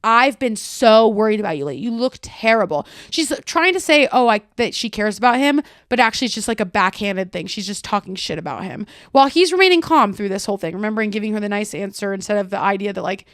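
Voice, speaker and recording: A woman's voice: mid-range voice, lively intonation, quick pace, few pauses, a bit bright, no room sound, clean studio sound. A woman hosting a casual solo podcast, chatty and loose, talking through song lyrics line by line with lots of "like" and "kinda". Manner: full of filler words like "like" and "kinda". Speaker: podcast host.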